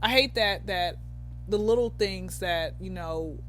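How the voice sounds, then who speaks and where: A woman's voice: mid-range voice, a little slow, a bit bright, faint music behind. A woman in her thirties, a comedian guest on a podcast, talking loosely and rambling as she thinks aloud. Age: 30s. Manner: rambling, loses her train of thought. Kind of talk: casual podcast interview.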